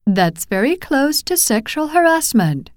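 A woman reading example phrases for English learners, slow and clearly enunciated. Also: sits high, very animated, no room sound, clean studio sound. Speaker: phrase reader.

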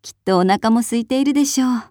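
A bold, strong-willed young village mother from a storybook, voiced by a woman reading aloud. She speaks plainly and with determination, a little higher than the reader's own voice, and her tone stays soft and mellow. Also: fast talker, no room sound, clean studio sound, lightly acted. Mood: relieved.

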